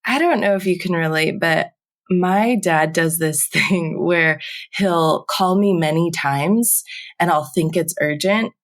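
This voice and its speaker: A woman's voice: lowish voice, slow pace. A woman in her twenties, a podcast guest telling a personal story in a conversational way, often saying "like" and "um". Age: 20s.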